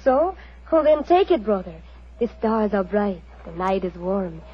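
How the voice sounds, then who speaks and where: An actress playing a passionate young gypsy fortune teller and fiddler in an old radio drama, speaking in formal, theatrical, solemn phrases. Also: female voice, mid-range voice, sing-song, measured pace, a little hiss or hum. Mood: proud, inviting. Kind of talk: 1940s radio acting. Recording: muffled old radio recording.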